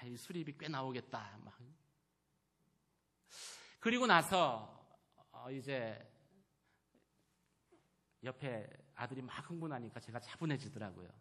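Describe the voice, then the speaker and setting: A man with a bright voice delivers a sermon in a church. He swings between loud, emphatic declarations and quiet, personal storytelling. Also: a little high. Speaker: pastor. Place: church sanctuary.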